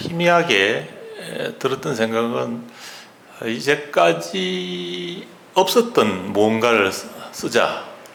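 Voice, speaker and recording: Amid noticeable background noise and audible room echo, a man with a medium pitch speaks at a very slow pace, with very wide pitch swings and big swings in loudness. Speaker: novelist. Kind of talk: lecture Q&A answer.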